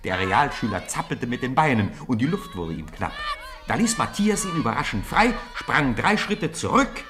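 A man's voice: medium pitch, moderate pace. A man narrating a children's radio play as a scripted, theatrical storyteller. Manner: theatrical, animated delivery.

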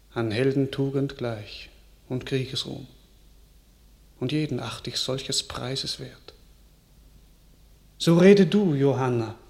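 A lofty, gracious king in a classical radio play. He declaims slowly and ceremoniously at a middling pitch, with stately weight on the verse. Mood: admiring. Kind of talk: classical German radio drama verse acting.

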